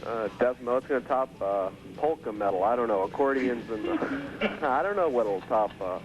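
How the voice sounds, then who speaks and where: A record producer calling in by phone, speaking casually and hesitantly with many fillers, heard from a worn tape copy. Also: male voice, medium pitch, animated, moderate pace. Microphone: telephone. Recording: dull phone line on worn tape with hiss.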